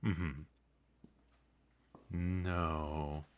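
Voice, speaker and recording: Casting: male actor as retired supervillain husband for comedy ASMR, very low, slow drawl, teasing and theatrical. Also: level tone, exaggerated voice. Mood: dry, joking. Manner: theatrical, drawling, mock-sinister.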